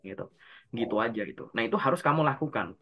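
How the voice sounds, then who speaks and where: Male interview coach, mid-range voice, relaxed coaching tone, works through points step by step on a call. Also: mid-range voice, fast talker, breathy edge, lo-fi sound. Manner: explains step by step, poses and answers his own questions. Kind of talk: casual coaching session.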